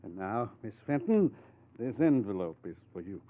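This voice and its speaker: An actor playing a courteous, eager collector in a 1940s radio crime drama, formal and a little hesitant. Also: male voice, lowish voice, sing-song, moderate pace. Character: courteous, eager male collector of old letters. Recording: thin, tinny old radio recording.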